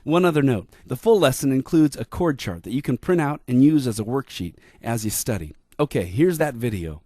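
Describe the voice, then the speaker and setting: A man's voice: mid-range voice, expressive, brisk, mellow, no room sound, clean studio sound. Upbeat man narrating a piano course. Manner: upbeat, promotional. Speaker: lesson narrator. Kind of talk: scripted voice-over narration.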